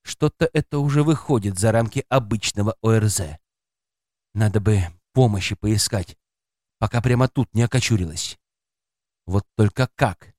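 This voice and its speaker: A man's voice: fairly low pitch, moderate pace, darkish tone, no echo, studio quality. A man reading an audiobook aloud as scripted first-person narration, expressively voicing a woman narrator's inner thoughts.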